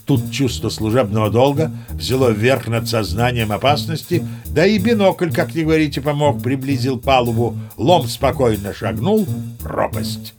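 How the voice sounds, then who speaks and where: A man's voice: medium pitch, expressive, moderate pace, music in the background, close to an everyday voice. An actor playing a seasoned, boastful old sea captain who tells his yarns in a chatty, emphatic, theatrical way. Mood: self-assured. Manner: chatty, folksy, self-assured, emphatic. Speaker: narrator. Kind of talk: theatrical first-person storytelling, audio play.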